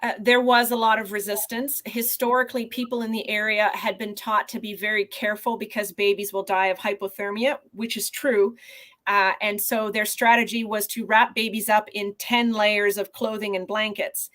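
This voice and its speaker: A woman neonatologist from Canada answering interview questions over a video call in an earnest, measured way. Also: mid-range voice, little pitch movement, a bit bright. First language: not Portuguese. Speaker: neonatologist guest.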